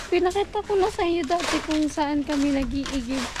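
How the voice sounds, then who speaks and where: Noticeable background noise accompanies a woman who speaks at a moderate speed with ordinary pitch variation. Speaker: vlogger. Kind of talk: casual vlog. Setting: outdoors at home, family construction site. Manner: animated, laughs often.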